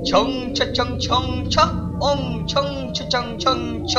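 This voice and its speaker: High-voiced, pompous bossy schoolboy. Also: female voice, steady tone, takes it slowly, highs cut off. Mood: theatrical chanting. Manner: pompous, theatrical phrasing. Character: bossy, boastful older schoolboy dabbling in spells. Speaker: cartoon voice actor. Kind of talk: exaggerated children's cartoon acting. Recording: background music under the voice.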